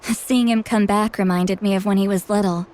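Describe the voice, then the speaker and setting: A woman's voice: mid-range voice, fairly even intonation, moderate pace, darkish tone, slight background noise, natural voice. A woman playing a candid, self-assured, protective tribal mentor in a video game, speaking informally. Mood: regretful, fond.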